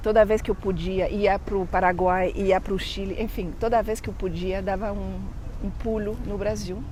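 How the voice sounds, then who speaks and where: A woman speaks with a French accent at a fairly slow pace. Noticeable background noise and audible room echo are present. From Quebec, Montreal. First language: French (speaking Portuguese). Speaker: immigrant interviewee. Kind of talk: interview.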